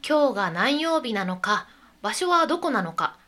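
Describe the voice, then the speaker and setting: A woman from a visiting theater troupe, describing their shows in a cheerful, clear way. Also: a little high, sing-song, moderate pace, pushed and bright. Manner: cheerful, clear, with light laughs. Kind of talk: radio interview.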